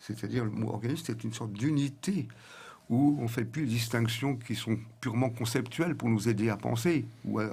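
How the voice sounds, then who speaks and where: A man speaks at a medium pitch and a moderate pace, with vocal fry. Ordinary pitch variation comes through amid audible room echo. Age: 70s. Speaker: psychotherapist. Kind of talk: radio interview. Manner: halting, many repetitions.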